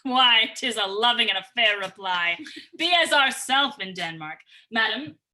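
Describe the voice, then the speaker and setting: Reproving, silver-tongued king and stepfather played by a woman, high and bright, formal Shakespearean verse. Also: animated, unhurried, heavily acted. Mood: grand, persuasive. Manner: formal, stately verse delivery. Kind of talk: livestreamed Shakespeare dramatic reading. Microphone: remote livestream from own location.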